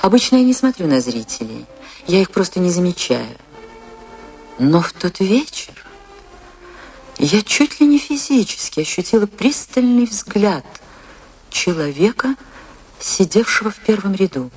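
A woman's voice: medium pitch, very animated, darkish tone, slightly rough, faint music behind, exaggerated voice. An actress playing a dreamy, proud, passionate woman dancer recalling her life in a poetic, theatrical radio monologue. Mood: reminiscing. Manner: dramatic, poetic, deliberate delivery with long pauses.

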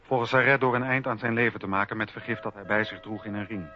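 A man narrating a scripted radio documentary in a measured, formal storytelling manner on a lo-fi recording. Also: fairly low pitch, steady tone, a little hiss or hum.

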